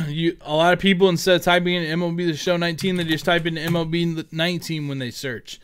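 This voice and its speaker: Casual man with a clear, higher voice. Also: steady tone, fairly quick. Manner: informal, rambling, thinking aloud while typing. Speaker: gaming content creator. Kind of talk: casual screen-recorded tutorial narration. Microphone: headset.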